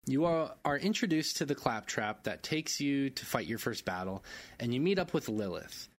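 A man hosts a casual gaming podcast with a lively, up-and-down delivery. He keeps things moving, laughs at his own tongue slips, and returns to a brisk, matter-of-fact pace when he introduces topics. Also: mid-range voice. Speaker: podcast host.

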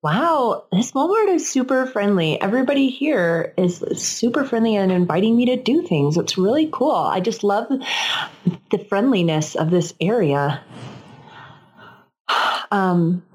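A woman's voice: mid-range voice, lively intonation, unhurried, a little mellow, slightly rough. Lady playing a sweet naive shopper girl, super earnest and gushy, comedy sketch. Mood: gushing, friendly. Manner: gushing, earnest. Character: naive, friendly young female shopper, easily charmed.

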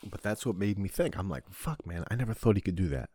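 A man hosting a podcast, crying as he opens up in a halting monologue, swearing often and restarting his sentences. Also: low voice, lively intonation, dark tone, no room sound. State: crying, sniffling. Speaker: podcast host. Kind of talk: emotional confessional monologue.

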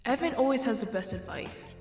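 A woman's voice: on the high side, lively intonation, a little fast, darkish tone, soft background music. A young woman playing an earnest young woman who keeps questioning where she belongs, in an amateur audio drama. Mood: reflective. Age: young adult. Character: young mixed-race woman, searching and earnest.

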